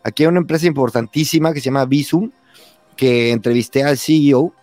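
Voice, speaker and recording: A man's voice: mid-range voice, a little fast, no echo, faint music behind. Mexican man in his thirties, dry sound. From Mexico, San Luis Potosí. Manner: animated, acts out quoted dialogue, says güey constantly. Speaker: podcast host being interviewed. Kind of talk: casual conversation.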